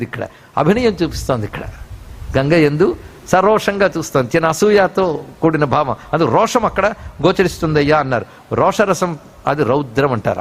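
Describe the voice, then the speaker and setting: A man with a high-pitched voice and a Telugu accent delivers a devotional discourse. He explains scripture expressively and slows down to chant verses. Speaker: spiritual discourse speaker.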